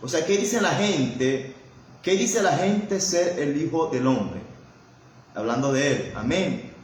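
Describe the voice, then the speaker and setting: A man's voice: on the high side, expressive, slow. A man preaching a sermon who keeps adding amén and invocations of Jesus, and often stalls and repeats words while he searches for them. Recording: very echoey room with faint background noise.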